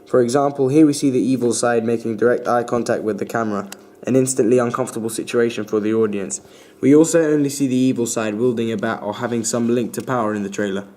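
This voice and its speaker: A young adult man reading a scripted analytical commentary in a formal, measured way. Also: medium pitch, mellow. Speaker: student filmmaker explaining their trailer.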